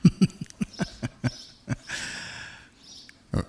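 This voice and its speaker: An actor playing a gleefully menacing warden in an audio horror drama, with a theatrical, drawn-out, mocking delivery. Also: male voice, a little hiss or hum. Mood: gloating, amused. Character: gleefully menacing male warden of a sinister facility.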